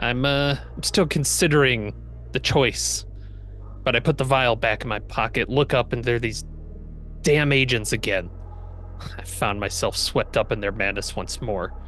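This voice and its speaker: Pausing long and often, a man speaks at a moderate pace in a dry sound with no echo, faint music in the background. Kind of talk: in-character narrated recap. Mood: weary, wry humor. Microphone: video call.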